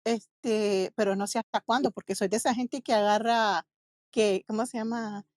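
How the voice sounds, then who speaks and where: A woman's voice: mid-range voice, steady tone, normal speed, a little mellow, no room sound, studio quality. A woman in her forties from Nicaragua, co-hosting a podcast and chatting in a friendly way about her life. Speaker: podcast co-host. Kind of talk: casual chat.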